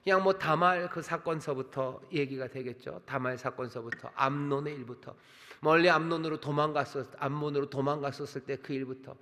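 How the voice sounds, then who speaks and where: A male pastor giving a sermon, earnest and sorrowful, dropping into quiet repeated laments. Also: a little high, fairly even intonation, fairly quick, big-room sound. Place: large church sanctuary.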